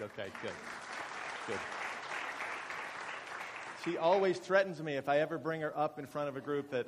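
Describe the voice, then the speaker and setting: A man in his forties speaks as a guest at a church, chatty and self-deprecating, stumbling over his words now and then. His voice sits a little high for a man. The room rings with a long, hall-like echo. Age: 40s. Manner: chatty and self-deprecating, with frequent fillers and restarts. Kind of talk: testimony talk to a congregation.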